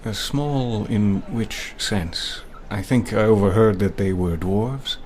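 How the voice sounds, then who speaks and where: Man playing a low-voiced, hesitant adventurer. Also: a little hiss or hum. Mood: concerned. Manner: hesitant, halting, gently probing. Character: polite, hesitant adventurer, a sympathetic, inquisitive man. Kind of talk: fantasy role-play audio drama.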